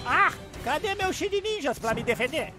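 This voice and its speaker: A man's voice: very high-pitched, animated, normal speed, over music. A man voicing a pushy, petty hired ninja in a comedy cartoon game, with a mock Japanese accent and clipped, broken Portuguese. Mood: smug. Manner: broken grammar, clipped boastful phrases. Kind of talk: animated comedy game voice acting.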